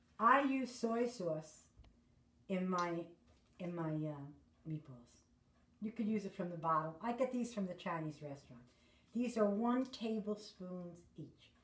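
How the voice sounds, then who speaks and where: Audible room echo surrounds a woman speaking at a fairly slow pace with long, frequent pauses. Her medium-pitched voice has lively intonation. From US, Italian-American family. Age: 70s. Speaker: home cook. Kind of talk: cooking tutorial. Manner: chatty, humorous. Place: kitchen. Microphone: camera far.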